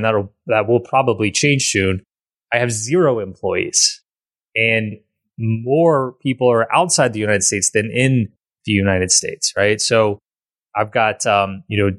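A podcast host chats casually, rambling, restarting often and repeating words. His voice is lowish and a little bright, recorded cleanly in a studio with no echo.

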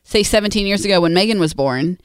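A woman's voice: mid-range voice, quick pace, smooth, no room sound, studio quality. A woman in her late thirties co-hosting a podcast in a casual, conversational style. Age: 30s. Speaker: podcast co-host. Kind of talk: casual married-couple chat.

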